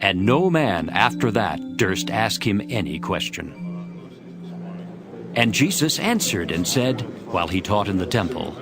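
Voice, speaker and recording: A man's voice: fairly low pitch, big pitch swings, a little slow. A man narrating scripture from a script in a dramatized audio reading. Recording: voice over prominent background music.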